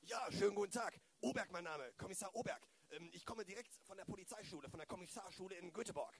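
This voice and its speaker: Guy doing a nervous rookie cop in a radio play, high creaky voice, polite, eager. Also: quick pace, crowd noise. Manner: polite, hesitant, earnest. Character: eager, nervous young rookie police inspector. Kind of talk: improvised German radio play.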